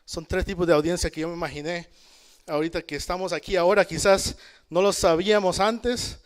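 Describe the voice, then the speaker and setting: A man leads a church Bible study, his voice pitched a little high and resonant. He talks to the congregation in an easy, conversational way. He calls out amen and checks in with his listeners as he goes. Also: steady tone, brisk, clean tone. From El Salvador. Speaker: preacher. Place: church in Canada.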